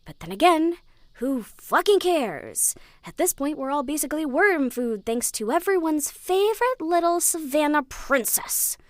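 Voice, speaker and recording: A woman's voice: high-pitched, sing-song, unhurried, dry recording. An actress playing an intense, sweary, perfectionist young woman and protective older sister in a sci-fi audio drama. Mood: bitter. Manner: muttering to herself, self-critical.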